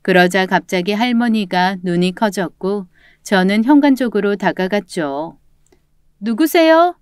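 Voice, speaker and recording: A woman's voice: medium pitch, measured pace, smooth, no echo. A woman telling a first-person story in a scripted, earnest narration, close to the mic.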